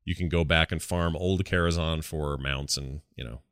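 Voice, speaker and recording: A man's voice: a bass voice, fairly even intonation, moderate pace, fairly bright tone, dry recording, studio quality. A man hosting a gaming podcast, talking casually and rambling through informal asides. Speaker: podcast host.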